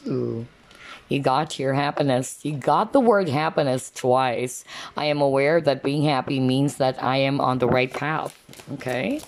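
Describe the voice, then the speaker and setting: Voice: mid-range voice, a little slow. A tarot card reader talking casually to viewers in a conversational way, often checking in with a short questioning tag. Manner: conversational, frequently checks in with "okay?".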